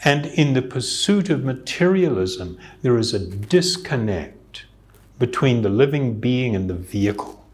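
A man speaking slowly and thoughtfully as a yoga teacher, explaining spiritual ideas in an earnest tone. His voice sits at an ordinary middle pitch, and he breaks into a soft chuckle every so often. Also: expressive. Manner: reflective, earnest, with occasional chuckles. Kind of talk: spiritual talk.

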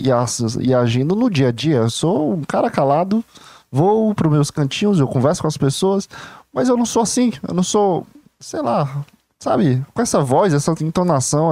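A young man talks through his thoughts on a solo podcast, candid and self-reflective, often stumbling and restarting mid-phrase. His voice sits a little high for a man yet sounds mellow and dark in tone. The recording is close and dry, with no room around it. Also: lively intonation, brisk, dry recording. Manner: rambling, stream-of-consciousness with many restarts. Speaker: podcast host.

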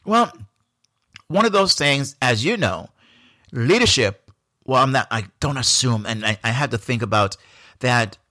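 A man with a Jamaican accent talks through his thoughts on his own podcast, unhurried and reflective, often restarting his sentences. His pitch sits in a middling range, and the recording is close and dry with no room sound. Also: expressive, sharp tone, no room sound. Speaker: podcast host. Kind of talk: solo podcast monologue.

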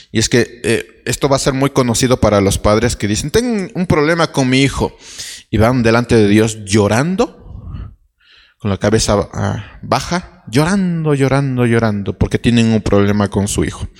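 A man's voice: fairly low pitch, moderate pace. Preacher guy telling a bible story, keeps restarting, voice rings round a big hall. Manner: storytelling, many restarts and rhetorical questions. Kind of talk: sermon.

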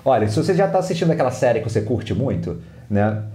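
A man's voice: mid-range voice, big pitch swings, quick pace, warm tone. Brazilian man explaining, in an echoey room. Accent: Brazilian Portuguese. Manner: explanatory, acts out students' inner voices. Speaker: English teacher, guest. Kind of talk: podcast interview.

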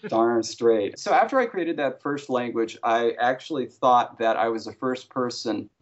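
A man as an interview guest, talking in a relaxed, chatty way with wry jokes. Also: mid-range voice, a little slow. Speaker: interview guest, language creator. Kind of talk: casual interview conversation. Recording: slightly dull lo-fi audio.

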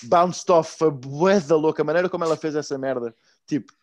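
A man's voice: a little high, a little fast, darkish tone. A young man chatting casually as a podcast co-host, slangy and mixing in English words and swearing. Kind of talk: casual chat.

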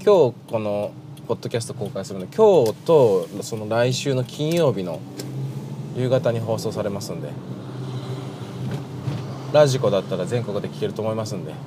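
A man from Shizuoka, Japan, hosting a casual solo podcast in very polite Japanese, softened with chatty fillers. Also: on the low side, lively intonation, a little fast, pauses often. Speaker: podcast host, greengrocer. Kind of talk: casual solo radio-style chat. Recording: noisy, with car and outdoor street sounds.

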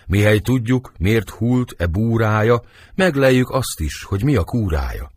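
A man reading the part of Montague, a worried older nobleman and father, in measured, troubled verse for an audiobook. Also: fairly low pitch, expressive, no echo.

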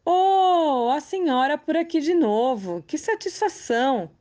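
A woman voicing a crafty, cheerful old man who talks calmly and teasingly in a storybook tale. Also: on the high side, unhurried. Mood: sly, teasing. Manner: sly, calm, teasing.

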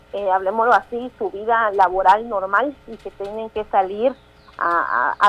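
A Guatemalan woman in her thirties, serving as a town mayor, is a guest on a radio interview. She speaks haltingly, restarting sentences and adding tag questions. Her voice sits a little high, and the recording sounds muffled.

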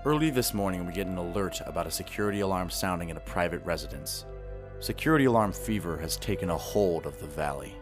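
An actor playing an earnest, lovestruck small-town sheriff's deputy in an audio drama, halting and correcting himself as he confesses. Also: sits low, animated, over music. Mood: earnest, urgent. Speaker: podcast fiction actor.

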